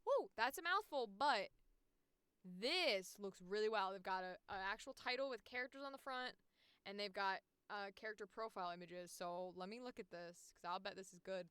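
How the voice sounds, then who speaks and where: A woman hosting a livestream, chatting casually and reading aloud in an expressive, excitable, blunt way. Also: mid-range voice, moderate pace, clear, resonant tone, dry recording. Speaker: livestream host and voice actor.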